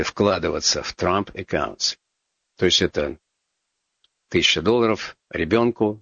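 Male talk radio host, deep bass, dry studio sound, ironic, chatty, lots of hedging fillers. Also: fairly bright tone, husky, dry recording, muffled recording. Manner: ironic, wry asides with frequent fillers. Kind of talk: casual call-in radio talk.

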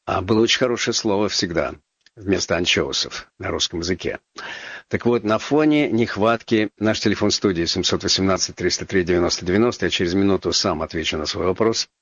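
Male talk radio host, deep bass, dry studio sound, ironic, chatty, lots of hedging fillers. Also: brisk, a bit bright, slightly rough, dry recording, muffled recording. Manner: ironic, wry asides with frequent fillers. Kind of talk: casual call-in radio talk.

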